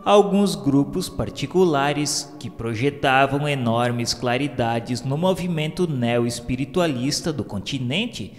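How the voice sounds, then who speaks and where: A man's voice: mid-range voice, slow, few pauses. Solemn Brazilian male narrator in long reverb. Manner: solemn, formal, literary delivery. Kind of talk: scripted narration of a religious radio serial. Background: music.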